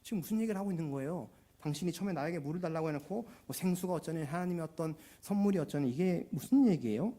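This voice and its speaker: A man's voice: fairly high pitch, expressive, quick pace, few pauses, mellow. A man voicing a skeptical woman at a well who mocks and challenges with pointed questions, in a church sermon. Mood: sarcastic.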